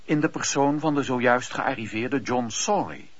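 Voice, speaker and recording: A man narrating a radio play in a dramatic, scripted storytelling style, with a husky voice. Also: medium pitch, moderate pace, dry recording. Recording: dull, lo-fi radio play recording.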